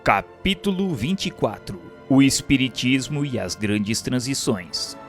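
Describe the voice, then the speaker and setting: A man's voice: medium pitch, very animated, a little slow. Formal male narrator over music. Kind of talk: scripted audiobook-style narration of a spiritual history text. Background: instrumental music.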